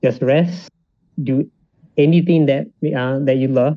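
A man's fairly high voice, dark and mellow in tone, moves at a fairly slow pace with ordinary pitch variation. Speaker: university student. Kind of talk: casual chat.

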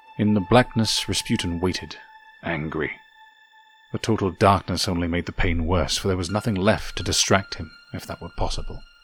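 Over music in the background, a man with a very deep, low voice talks at a moderate pace with ordinary pitch variation. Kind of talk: horror audio drama narration. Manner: tense and pained, rising and falling with the torture scenes.

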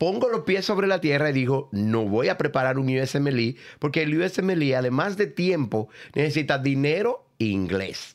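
A man at a fairly high pitch and fairly slow pace, with very wide pitch swings, very even loudness and a very clean recording with a silent background. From Dominican Republic, Cotuí. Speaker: doctor. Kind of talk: interview.

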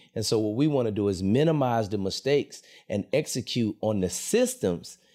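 Speaking at a moderate pace with an American accent, a man has an unremarkable speaking voice, a fairly low pitch and lively intonation, on a very clean recording with a silent background. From US South. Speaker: business coach. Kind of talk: interview.

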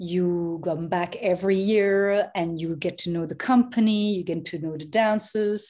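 Hardly pausing, a woman talks at a fairly slow pace with a medium pitch and a dark, mellow tone. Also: ordinary pitch variation. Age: 40s. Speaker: choreographer. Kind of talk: casual chat.

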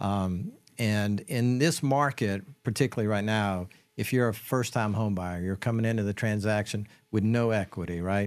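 In a South Carolina accent, a man speaks at a fairly low pitch and a moderate pace. His pitch varies in an ordinary way over a quiet background. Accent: US Southern (South Carolina). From South Carolina, Florence (Pee Dee area). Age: 50s. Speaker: real estate association executive. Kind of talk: interview.

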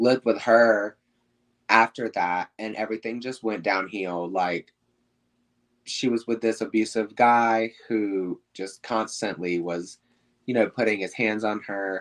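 At a fairly slow pace and fairly low pitch, a man speaks in a normal speaking voice with fairly even intonation, recorded with a dry, close sound and no echo. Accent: American. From South Carolina. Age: 20s. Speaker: go-go dancer. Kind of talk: interview.

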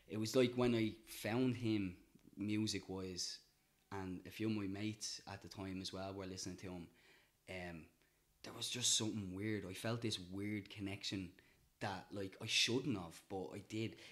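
In a Dublin accent, a man speaks at a fairly low pitch and moderate pace with fairly even intonation. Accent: Dublin Irish. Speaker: artist and musician. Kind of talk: casual chat.

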